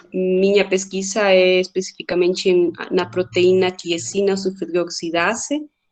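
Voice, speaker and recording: A woman of medium pitch with a Spanish accent, at a moderate pace. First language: Spanish (speaking Portuguese). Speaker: doctoral student. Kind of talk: self-introduction in online seminar.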